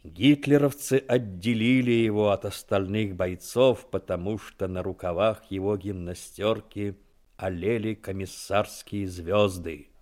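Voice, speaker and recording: A man's voice: lowish voice, measured pace, darkish tone. Male narrator of a dramatic story.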